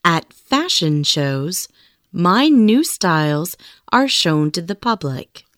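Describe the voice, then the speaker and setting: A woman reading scripted language-lesson audio, speaking very slowly and carefully. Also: on the low side, big pitch swings, fairly bright tone, dry recording, clean studio sound. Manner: very slow, carefully enunciated reading. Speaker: textbook audio reader.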